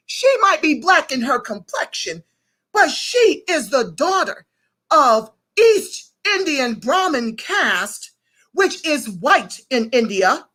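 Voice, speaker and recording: A woman hosting an online commentary show, animated and rallying, who keeps calling her listeners "family.". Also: high voice, low-quality recording. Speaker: host.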